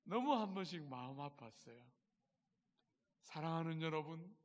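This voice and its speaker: A middle-aged man preaching a sermon as pastor, telling stories with strong feeling and swinging from soft to loud. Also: a little high, long reverb tail.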